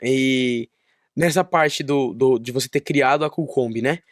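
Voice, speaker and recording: A man's voice: medium pitch, a little slow, no echo. Male podcast host, supportive, conversational, dry studio sound. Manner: encouraging, finishes the guest's sentences. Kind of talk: casual interview chat.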